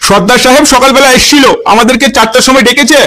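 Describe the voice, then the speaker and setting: A woman voicing an elderly grandfather in a comedy cartoon, speaking in a gentle, placating way. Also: sits high, quick pace, noisy background, voice pushed down, close to an everyday voice. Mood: soothing. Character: old grandfather, calm and soothing.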